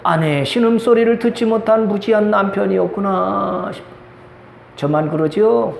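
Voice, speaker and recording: High-voiced pastor in an echoey church. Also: male voice, normal speed, creaky. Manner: storytelling with acted dialogue, asks the congregation questions. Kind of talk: sermon. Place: church sanctuary. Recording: echoey church hall with faint background noise.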